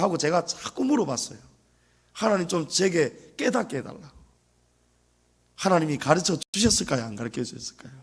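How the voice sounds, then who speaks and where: A male pastor preaches in a church, dramatic and questioning his listeners. His voice sits high for a man and rises and falls dramatically. He keeps turning to the congregation with questions. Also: husky. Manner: dramatic, acts out scenes and asks the congregation questions. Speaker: senior pastor. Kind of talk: sermon. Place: church sanctuary.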